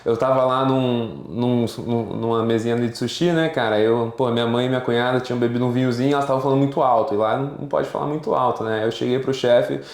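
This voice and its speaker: A man hosting a podcast, chatting in a slangy, chummy way and firing off quick questions. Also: medium pitch, steady tone. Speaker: podcast host. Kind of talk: casual interview chat. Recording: echoey room.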